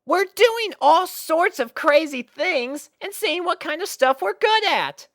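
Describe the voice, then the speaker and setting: A woman's voice: very high-pitched, expressive, slow pace, no echo, clean studio sound, pitched above the performer's own voice, exaggerated voice. A woman voicing a plucky young filly pony, earnest and eager, in a story reading.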